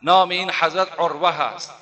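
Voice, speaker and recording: A man delivers a sermon as a story, drawing out the recited prayers. His voice sits a little high and sounds bright and sharp. A long reverb trails behind his words, as in a large hall. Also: fairly even intonation. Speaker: preacher.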